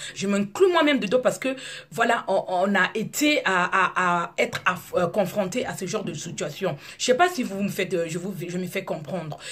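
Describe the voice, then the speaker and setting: A woman speaks with a Congolese accent. Her pitch is medium and her intonation lively. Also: moderate pace. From Congo (Brazzaville). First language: Lari (speaking French). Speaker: YouTuber / vlogger. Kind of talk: casual vlog monologue. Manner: halting, many repetitions and hesitations.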